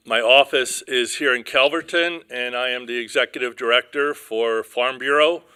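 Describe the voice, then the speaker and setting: A man who directs a farm organization, giving a formal, measured address at a podium microphone in a town hall meeting room. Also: mid-range voice, pushed and bright, clean tone. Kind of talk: public comment at a town board meeting.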